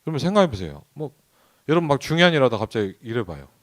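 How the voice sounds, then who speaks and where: A pastor's sing-song, medium-pitched voice moves at a rapid-fire clip as he delivers a conversational midweek sermon. Standing in a church sanctuary, he keeps asking the congregation questions.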